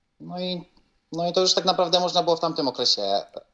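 This man's bright, sharp tone carries lively intonation at a fairly quick pace. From southern Poland, near Kraków. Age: 20s. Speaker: TikTok creator and makeup artist. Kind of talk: casual interview.

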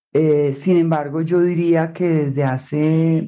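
This woman's voice sits very deep and low. She talks very slowly. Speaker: psychologist and health services director. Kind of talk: interview.

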